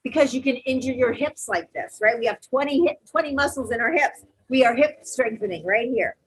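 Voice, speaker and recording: A woman teaching a live online yoga class, cueing poses step by step in a loud, encouraging, chatty way over a video call. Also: a little high, a little fast, breathy edge, low-quality recording. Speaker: yoga instructor.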